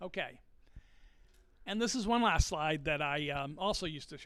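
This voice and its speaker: A high-pitched man at a fairly slow pace on a very clean recording with a silent background. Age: 60s. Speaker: indie game developer. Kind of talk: conference talk. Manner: halting.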